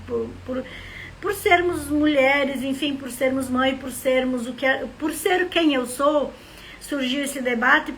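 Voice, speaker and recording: This high-pitched, somewhat bright voice comes from a literary academy member in Rio Grande do Sul, Brazil, who hosts a live stream. She calls out viewers by name and then wanders into musing, meandering talk, with slight background noise behind her.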